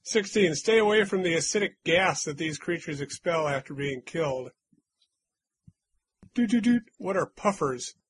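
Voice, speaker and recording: A man's voice: a little high, lively intonation, normal speed, slightly rough. A man hosting a casual trivia quiz among friends, reading out clues and teasing the players in a chatty way. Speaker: quiz host. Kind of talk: casual game-show chat with friends.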